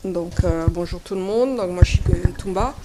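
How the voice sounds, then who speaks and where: A woman's voice: fairly low pitch, normal speed, background noise. A woman journalist, a Swahili speaker, putting a question at a press conference and often searching for her words.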